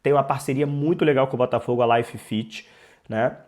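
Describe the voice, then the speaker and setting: A man's voice: mid-range voice, steady tone, brisk, a little mellow. A man with a Brazilian Portuguese accent, congested with a cold, giving emphatic, conversational football commentary as a channel host, repeating key phrases. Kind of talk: sports news commentary to camera.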